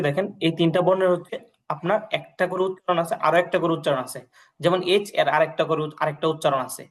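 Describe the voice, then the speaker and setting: A young male teacher with a fairly high voice leads an online class. He explains each point patiently and drills the alphabet by saying every letter three times in a steady, even rhythm. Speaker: language teacher.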